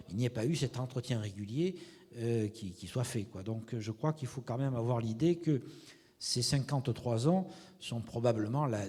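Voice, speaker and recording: A man leading a seminar, asking measured questions and thinking aloud about the findings. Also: medium pitch, mellow, breathy edge. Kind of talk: academic discussion. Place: lecture hall. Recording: reverberant lecture hall.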